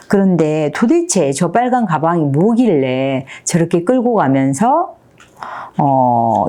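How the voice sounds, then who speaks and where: A woman in her fifties with a fairly low voice walks listeners through a picture book, her pitch swinging widely as she tells it. She talks like a teacher, pausing to put questions to the audience. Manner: animated storytelling, asks the audience questions.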